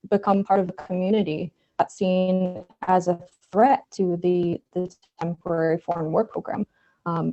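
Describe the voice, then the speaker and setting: A woman's voice: mid-range voice, dark tone. A woman organizer of migrant workers, speaking on an online panel. She talks firmly as an advocate and builds her points up in lists. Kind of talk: panel discussion. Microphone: video call. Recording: dull lo-fi video call audio.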